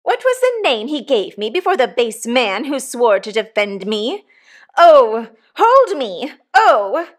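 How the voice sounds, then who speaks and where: Shrill, scolding shrew. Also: female voice, very animated, moderate pace, hardly any pauses. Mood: hysterical fury. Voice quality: shrieking, shrill. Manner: scolding, theatrically indignant. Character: violent shrewish married woman, scolding and easily enraged.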